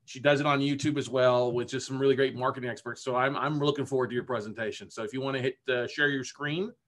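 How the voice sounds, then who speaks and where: A man's voice: medium pitch, fairly even intonation, quick pace, fairly bright tone. A man hosting a live-streamed podcast session over a video call, talking in an upbeat, chatty way with plenty of fillers. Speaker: podcast summit host. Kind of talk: casual live-stream interview.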